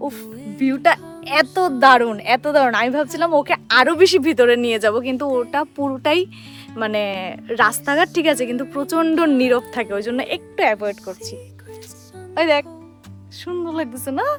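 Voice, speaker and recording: A young woman vlogger. She talks in a chatty, expressive way and drops in English words, with faint music behind her. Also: sits high, a little fast. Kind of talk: casual vlog chat to camera and companion.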